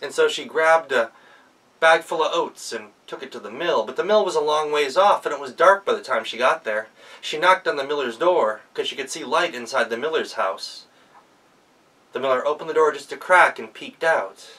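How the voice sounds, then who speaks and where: A man's voice: on the high side, normal speed, bright, forceful tone, distant mic, poor audio. A man narrating a folktale aloud in a theatrical storyteller's manner. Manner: theatrical, with emphatic sound words. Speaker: professional storyteller.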